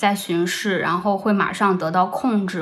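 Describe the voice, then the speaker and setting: At a moderate pace, a woman speaks at a medium pitch with fairly even intonation, and audible room echo surrounds her. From China. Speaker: fashion designer. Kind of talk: interview.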